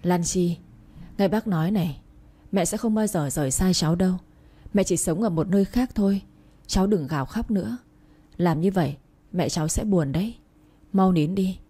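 A kind older aunt who coaxes and soothes a crying child in a tender way, played by a woman narrator. The voice is low, mellow and breathy. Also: moderate pace, pauses often. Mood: comforting. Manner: coaxing, tender.

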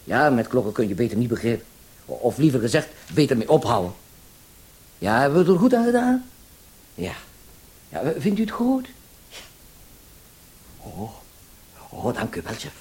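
A man's voice: mid-range voice, very animated, moderate pace, pauses often, darkish tone, close to an everyday voice. An actor in a Dutch radio play voicing a self-important, bumbling policeman who rambles and stammers, swinging between deference and bossiness. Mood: deferential, hesitant. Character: bumbling, excitable, self-important male policeman, number zero-eight.

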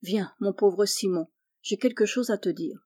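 A woman reading aloud, voicing a kind and wealthy male painter who speaks gently and reassuringly, like a father. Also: mid-range voice, measured pace, close to an everyday voice.

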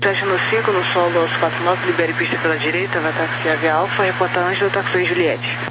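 A man's voice: sits high, fairly even intonation, fast. A Brazilian man working as an air traffic controller, giving clipped procedural instructions over the radio. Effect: aviation radio. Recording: very noisy aviation radio.

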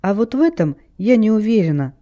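A man's voice: sits high, sing-song, a little fast, mellow, voice pushed up. A man voicing an upset young girl who pleads for help finding her father. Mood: plaintive.

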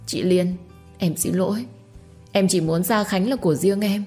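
A woman's voice: a little slow, warm tone, faint music behind, lightly acted. A woman voicing a bitter, jealous young woman who shrieks insults. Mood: tearful pleading. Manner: shrill, hurling insults.

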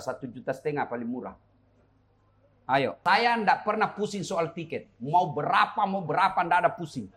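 A man's voice: a little high, bright, forceful tone. A middle-aged man, preaching a humorous sermon to young people with joking asides and rhetorical questions.

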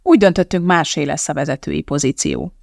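A narrator voicing a brisk, authoritative foundation head who speaks firmly and in a businesslike way. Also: medium pitch, gravelly, no echo, clean studio sound, natural voice.

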